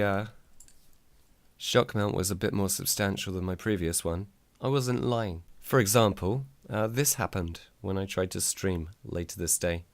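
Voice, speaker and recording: A man, reviewing a microphone in a casual, dry, self-deprecating way. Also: no room sound. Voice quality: low voice. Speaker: tech reviewer. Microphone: desk microphone on a mic arm.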